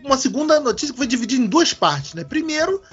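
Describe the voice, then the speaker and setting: A man hosting a casual podcast chat, animated, swearing casually and restarting his words. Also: extremely high pitch, quick pace, lo-fi sound. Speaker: podcast host.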